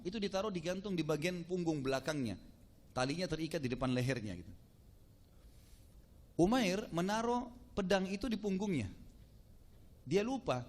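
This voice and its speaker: A man preaching, telling a story to his audience with lively quoted voices and casual asides. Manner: animated, acts out quoted speech with shifting pitch. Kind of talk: sermon storytelling.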